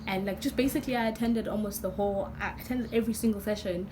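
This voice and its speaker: Hoarse young woman gushing. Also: medium pitch, steady tone, fast talker, background noise. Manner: gushing, rambling, many fillers and restarts. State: lost voice, hoarse. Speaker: vlogger. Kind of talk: excited casual church vlog.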